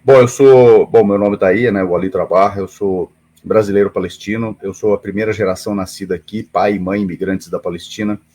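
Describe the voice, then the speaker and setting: A man's voice: on the low side, fairly even intonation, a little fast, mellow. A middle-aged man, explaining things as an interview guest in formal, wordy phrasing. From Paraná, southern Brazil. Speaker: interview guest, association president.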